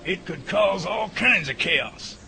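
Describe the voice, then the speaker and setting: A man's voice: sits high, lively intonation, takes it slowly, creaky, music in the background, exaggerated voice. A man playing an enthusiastic professor who researches Bigfoot, talking in a folksy, emphatic way in an amateur radio drama.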